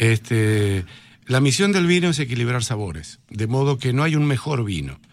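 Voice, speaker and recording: Very wide pitch swings in a medium-pitched male voice. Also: moderate pace. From Argentina. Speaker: folk music group member. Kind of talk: TV interview. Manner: halting, many fillers.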